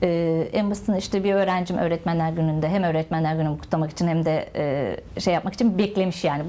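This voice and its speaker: A woman's voice, an ordinary speaking voice, fairly low in pitch with ordinary pitch variation, at a fairly quick pace. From Istanbul, Turkey; Turkey. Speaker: first aid instructor. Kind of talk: interview. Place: studio.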